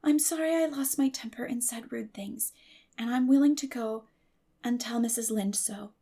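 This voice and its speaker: Woman voicing an earnest, high-pitched dramatic young girl. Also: normal speed, dark tone, breathy edge. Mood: solemn. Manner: wordy, earnest, theatrical.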